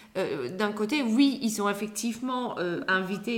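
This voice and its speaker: Someone with a Dutch accent speaks at a very slow pace, with audible room echo. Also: woman. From Netherlands. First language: Dutch (speaking French). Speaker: podcast host, interior decorator. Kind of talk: interview conversation. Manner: hesitant, many fillers.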